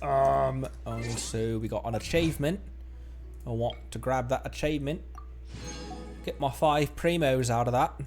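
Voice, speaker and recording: A man's voice: mid-range voice, a little slow, vocal fry, soft background music. A man with an American accent chatting casually and playfully as he livestreams a video game. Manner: playful, joking, expressive. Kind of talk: casual chat while streaming a game.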